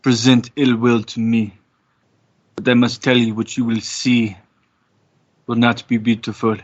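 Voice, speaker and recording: Man voicing a slow, solemn swamp tree creature. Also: mid-range voice, flat delivery, natural voice. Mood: solemn, grave. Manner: grave, formal, deliberate. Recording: dull sound with music behind.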